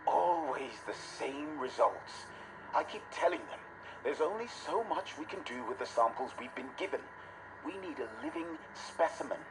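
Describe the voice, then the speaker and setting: An actor playing a cold, ruthless scientist, clinical and deliberate, in a sci-fi game audio log. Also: male voice, a little high, lively intonation. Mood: frustrated. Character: cold, ruthless male scientist logging experiments. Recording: very noisy radio-style audio log.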